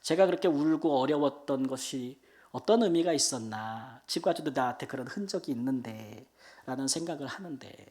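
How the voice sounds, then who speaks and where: A speaker in their fifties giving an emotional, colloquial church testimony as a missionary, swinging between loud and soft, with many fillers. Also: medium pitch. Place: church prayer meeting.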